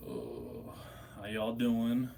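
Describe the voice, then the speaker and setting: Hungover American man with a lowish voice. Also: sing-song, drawn-out words, creaky, warm tone, slight background noise. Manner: profane, blunt, slangy. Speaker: livestream host. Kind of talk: casual livestream chat answering viewers' questions.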